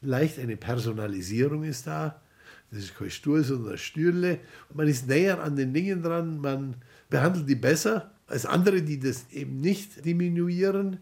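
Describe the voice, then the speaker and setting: Gravelly man explaining dialect patiently. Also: fairly high pitch, moderate pace, darkish tone. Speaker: dialect researcher. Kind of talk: interview answer.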